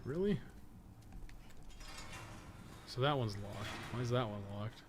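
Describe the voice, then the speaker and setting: A man's voice: medium pitch, slow. Rambling man with noisy background. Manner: rambling, thinking aloud, swears casually. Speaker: podcast co-host playing a game. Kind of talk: casual gameplay commentary. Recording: clear steady background noise.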